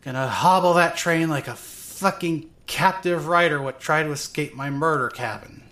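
A woman's voice: deep voice, moderate pace, a bit bright. A woman playing a tipsy, foul-mouthed, anxious young trans woman, narrating her thoughts in a rambling, sarcastic way for an audio drama. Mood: bitter, reckless. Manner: rambling, drunken hesitations, sarcastic swearing.

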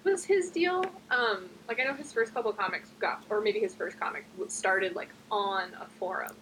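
A woman's voice: mid-range voice, moderate pace, a bit bright, a little hiss or hum, poor audio. A young woman from New Jersey co-hosting a podcast, rambling casually with lots of fillers. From New Jersey, USA. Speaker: podcast co-host. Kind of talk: casual chat.

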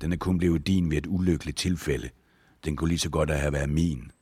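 A man's voice: a bass voice, steady tone, husky, no room sound. A man reading a proud, desperate male warrior from a book, his lines turning from coaxing to accusing. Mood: furious. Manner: pleading then accusing, forceful. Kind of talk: read-aloud book dialogue.

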